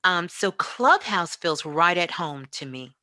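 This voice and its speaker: Woman, middle-aged, slightly low register, forceful delivery; emphatic, conversational radio-host type giving an interview. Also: animated, slow pace, no echo, studio quality. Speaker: guest, online radio show host. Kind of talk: casual spiritual interview talk.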